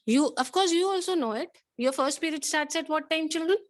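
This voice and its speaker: A woman's voice: high-pitched, fairly quick, no echo, clean studio sound. A woman with a South Asian accent teaching an online class, questioning pupils in a stern, insistent way. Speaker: schoolteacher.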